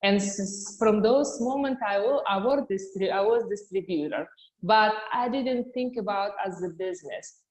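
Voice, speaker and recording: A woman in her fifties from Ukraine with a strong Russian accent, answering interview questions in a halting, earnest way. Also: mid-range voice, a little mellow, roomy sound, rough recording. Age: 50s. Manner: halting, earnest, many fillers. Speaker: distributor guest.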